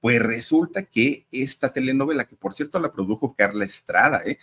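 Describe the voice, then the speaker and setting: A man's voice: medium pitch, animated, moderate pace, fairly bright tone, husky. A man with a Mexican accent who hosts a show and tells celebrity stories in a chatty way, addressing viewers directly. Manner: conversational, addresses viewers directly, uses fillers. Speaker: entertainment gossip host.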